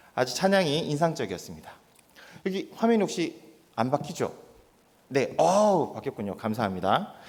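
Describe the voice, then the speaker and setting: Vocal fry runs through this man's fairly high-pitched voice as it moves in very wide pitch swings. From South Korea, Daegu. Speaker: pastor. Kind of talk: sermon. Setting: church.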